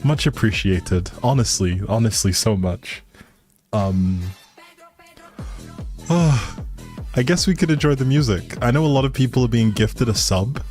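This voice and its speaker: A man's voice: mid-range voice, expressive, measured pace, pauses often, a little mellow. A man hosting a casual gaming livestream, talking politely and appreciatively to his viewers. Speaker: livestream host. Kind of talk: casual livestream chat while playing a life simulation game. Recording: music behind the voice. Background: music.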